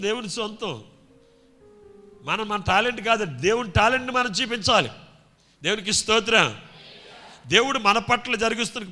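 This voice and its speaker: Bright high-voiced man preaching a sermon. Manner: call-and-response preaching, shouting hallelujahs. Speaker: pastor.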